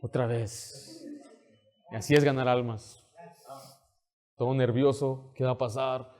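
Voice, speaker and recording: A man's voice: medium pitch, moderate pace. A male pastor preaching a sermon in a church, acting out scenes with sound effects, then leading an altar call and prayer. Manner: animated storytelling, acts out scenes with sound effects. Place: church sanctuary.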